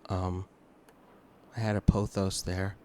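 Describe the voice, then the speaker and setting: A man playing a lonely, resigned dead climber in a tabletop game, halting, subdued and unsure. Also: deep voice, little pitch movement, darkish tone, a little hiss or hum.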